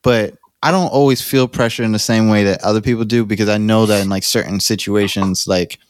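A man's voice: lowish voice, steady tone, brisk, smooth, no echo. A man co-hosting a podcast, talking in a laid-back, casual way and laughing often. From United States. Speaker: podcast co-host. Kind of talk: casual chat.

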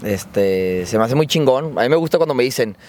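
A man's voice: mid-range voice, lively intonation, brisk, darkish tone, a little hiss or hum. A man with a northern Mexican accent, chatting casually on a podcast in slang, full of fillers. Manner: slangy, proud, uses fillers. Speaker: podcast co-host. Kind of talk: casual chat.

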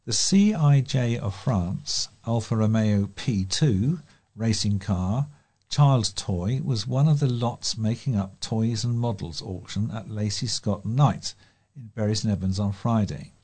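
A man's voice: lowish voice, unhurried, warm tone. A man with a British accent reading scripted local news items as a volunteer newsreader. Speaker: volunteer newsreader for a talking newspaper.

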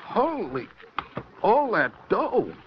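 A man's voice: sits high, huge pitch swings, extremely slow, heavily acted. A man playing a friendly, chatty patrolman in a 1950s radio drama. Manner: casual, chatty. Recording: dull old radio recording with crowd noise.

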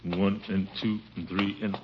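An actor playing a pompous, boastful middle-aged bachelor in a 1950s radio sitcom, with a giggling laugh. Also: male voice, low-pitched, little pitch movement, unhurried. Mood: pleased. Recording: dull hissy old radio broadcast.

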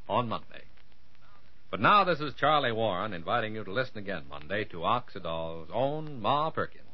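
An American man speaks as an old radio announcer, swinging his pitch with polished sales emphasis. The recording is a muffled vintage broadcast with little room sound. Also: dry recording. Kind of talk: old-time radio announcer reading sponsor copy and serial outro.

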